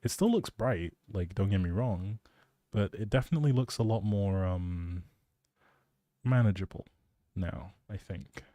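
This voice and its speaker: A man's voice: fairly low pitch, expressive, unhurried, mellow, no room sound. A man live streaming, chatting casually in an appreciative, rambling way and thinking aloud as he goes.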